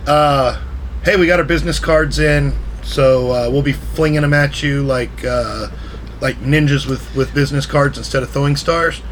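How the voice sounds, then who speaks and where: A man's voice: mid-range voice, fairly even intonation, normal speed, a little hiss or hum, low-quality recording. A man co-hosting a podcast in casual, joking chat, often laughing. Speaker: podcast co-host.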